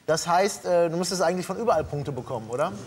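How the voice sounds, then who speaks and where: A man's voice: fairly high pitch, lively intonation, quick pace, noisy background. A middle-aged man hosting a late-night TV talk show, joking casually with his guests and hesitating often. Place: TV studio with audience.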